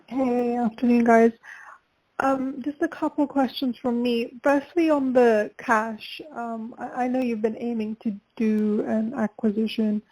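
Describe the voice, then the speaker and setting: A woman's voice: a little high, flat delivery, unhurried, darkish tone, rough recording. A woman analyst asking questions on a conference call in a fluent, informal way. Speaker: financial analyst.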